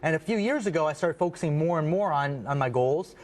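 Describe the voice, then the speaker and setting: A man's voice: fairly high pitch, expressive, fast. A man speaking as an athlete guest in a studio interview, answering casually in a modest, earnest way.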